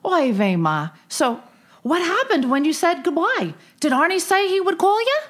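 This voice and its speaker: A woman's voice: very high voice, sing-song, normal speed, fairly bright tone, full character voice. A woman playing a curious, prying adult daughter in a comic audio drama. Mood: nosy eager. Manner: prying, exasperated.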